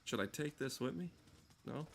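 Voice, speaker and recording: A man's voice: medium pitch, expressive, normal speed, vocal fry, a bit bright, slight background noise. A man giving casual, rambling gameplay commentary in a sardonic, exasperated and sweary way. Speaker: game streamer.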